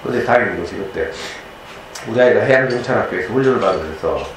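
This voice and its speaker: A man's voice: lowish voice, animated, quick pace. A middle-aged man giving a lecture to parents, telling a personal story and acting out the dialogue as he goes. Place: lecture room. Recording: very echoey lecture hall, faint noise.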